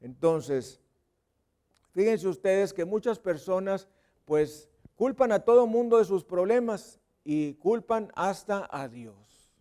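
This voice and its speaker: A man's voice: high-pitched, animated, slow pace. A man with a Mexican accent preaching a sermon as a pastor, playfully acting out sounds and voices and dropping at times to a whisper. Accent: Mexican Spanish. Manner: playful, acts out sounds and voices with sudden loud and whispered bits. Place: church service.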